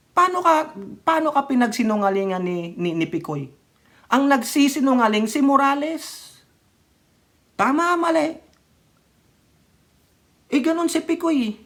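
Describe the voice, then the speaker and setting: A woman with a fairly high voice delivers opinionated political commentary for her vlog. She scolds her target and keeps firing rhetorical questions. She switches between Tagalog and English mid-sentence. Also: sing-song, unhurried, pauses often. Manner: rhetorical, scolding, keeps asking "right or wrong?".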